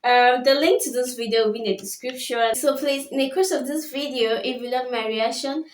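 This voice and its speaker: A woman hosting a reaction video, chatting casually and throwing in quick excited interjections and laughs. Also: high-pitched. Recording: roomy echo with faint music.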